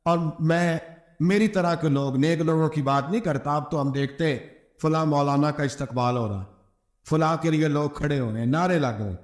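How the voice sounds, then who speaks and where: A man with a Pakistani Urdu accent preaching an emotional sermon, telling a story and acting out its voices with sudden high, sharp outbursts. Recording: echoey hall.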